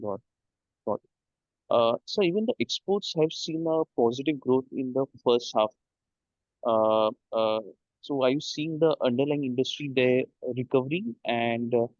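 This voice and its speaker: A man with an Indian accent politely asking questions as an analyst on a conference call, with halting phrasing. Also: medium pitch, darkish tone, dry recording. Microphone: conference call line. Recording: dry, dull conference-call line.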